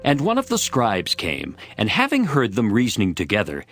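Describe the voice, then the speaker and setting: A man's voice: on the low side, huge pitch swings, normal speed, fairly bright tone. A man narrating scripture from a script in a dramatized audio reading. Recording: voice over prominent background music.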